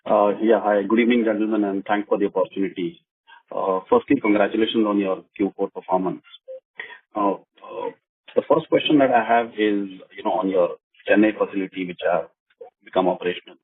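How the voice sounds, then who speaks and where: Husky Indian man on a phone line. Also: on the low side, steady tone, brisk. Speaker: analyst asking questions. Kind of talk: earnings call questioning. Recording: muffled, narrow phone line.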